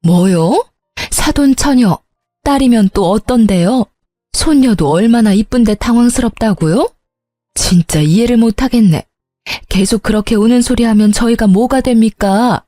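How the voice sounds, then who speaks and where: A woman's voice: a little high, moderate pace, warm tone, no echo, soft background music, close to an everyday voice. Casting: woman performing an offended parent who fires off indignant, scolding questions.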